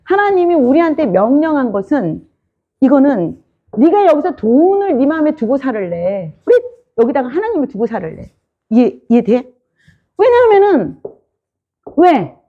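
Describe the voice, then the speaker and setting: A woman's voice: high voice, big pitch swings, normal speed, narrow, tinny audio. A woman pastor preaching a sermon in an informal, questioning way, often asking the congregation whether they understand.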